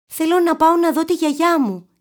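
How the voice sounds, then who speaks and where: A woman voicing a sweet little girl in a red hood in a storybook reading, her tone high, eager and pleading. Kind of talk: storybook character voice.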